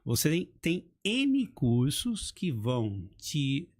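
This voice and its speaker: Animated man coaching public speaking. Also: fairly high pitch, slow pace. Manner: animated, emphatic, acts out examples. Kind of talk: casual podcast chat.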